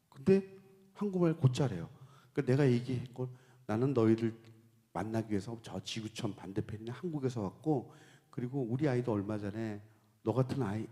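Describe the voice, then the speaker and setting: A man, a church deacon, telling a personal testimony in church, dropping to hushed low passages and then rising in sudden emotional outbursts. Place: church sanctuary with long reverb. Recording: long church hall reverb.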